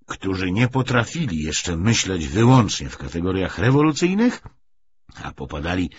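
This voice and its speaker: A male audiobook narrator with a fairly low voice and widely moving intonation. He reads literary prose slowly and expressively. The sound is a little dull and lo-fi. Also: slight background noise.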